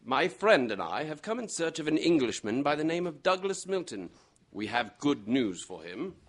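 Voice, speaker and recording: A man acts out a composed gentleman sleuth. His voice is slightly high and moves about in lively swoops. He speaks courteously and precisely, in radio mystery style. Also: normal speed. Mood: reassuring, formal. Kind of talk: radio mystery drama acting.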